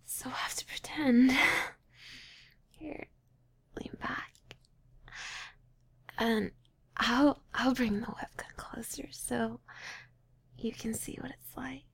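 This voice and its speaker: Young woman, intimate roleplay, high voice with gravelly fry, breathy whispers close to the mic. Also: fairly even intonation, slow, pauses often. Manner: teasing, breathy, often whispering. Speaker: audio roleplay performer.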